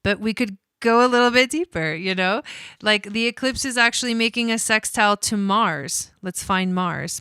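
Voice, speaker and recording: A woman's voice: medium pitch, fairly bright tone, smooth, no room sound. A woman from Argentina, an astrologer hosting a casual livestream, chatty and cursing freely with many fillers. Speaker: astrologer host.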